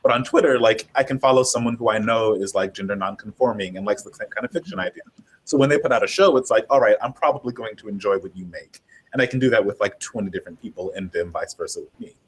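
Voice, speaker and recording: A man's voice: quick pace, poor audio. A man speaking informally and emphatically as a panelist in a casual discussion. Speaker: panelist, audio drama creator. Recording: clear background noise with low rumble.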